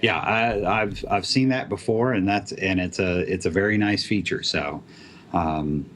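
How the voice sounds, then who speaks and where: A man's voice: low voice, measured pace, a bit bright, a little hiss or hum. A man who develops apps talking casually about programming, with many fillers and restarts. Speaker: app developer guest. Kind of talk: casual tech chat.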